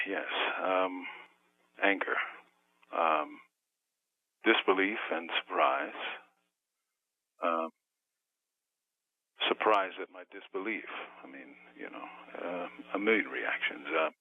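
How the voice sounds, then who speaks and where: A man speaking from a prison cell over a prison phone line in a measured, halting interview manner with many pauses. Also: low-pitched, lively intonation, dry recording. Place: prison cell on death row.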